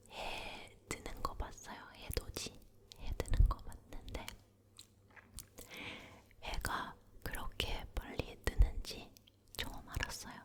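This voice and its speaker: Woman leaning in to whisper, ASMR. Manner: leaning in to whisper, close and hushed; slow, gently repeating words. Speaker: ASMR host. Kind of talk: whispered ASMR personal storytelling.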